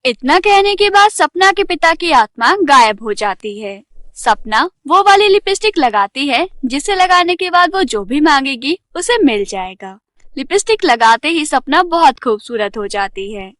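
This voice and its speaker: High-pitched, lively woman storyteller. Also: measured pace, dry recording, clean studio sound. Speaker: storyteller, narrator. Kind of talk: scripted narration of a children's fairy tale.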